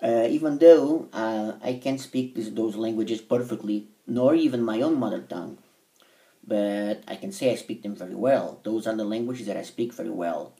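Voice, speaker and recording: A man speaks in a lowish, warm tone, pausing often as he works out what to say. His voice sits a little back from the mic, with some room around it. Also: far from the mic. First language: Portuguese. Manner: halting, thinks aloud with frequent pauses. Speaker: language-learning vlogger. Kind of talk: casual monologue to camera.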